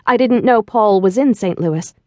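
A young secretary in an audiobook romance, acted by a woman reader. She is courteous yet firm, with spirit under the politeness. The voice sits at a middle pitch in a close, dry recording. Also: moderate pace, darkish tone, no echo, lightly acted. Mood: matter-of-fact. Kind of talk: audiobook character dialogue.

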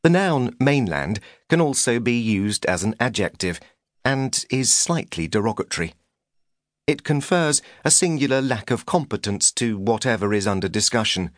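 A man's voice: medium pitch, animated, normal speed, no echo. A man reading a humorous memoir as an audiobook narrator, with a dry, wry delivery.

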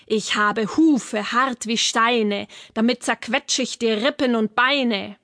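A woman voicing a huge, fearless billy goat with a coarse voice, slowly boasting rhyming threats. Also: a little high, a bit bright, dry recording, studio quality. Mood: defiant.

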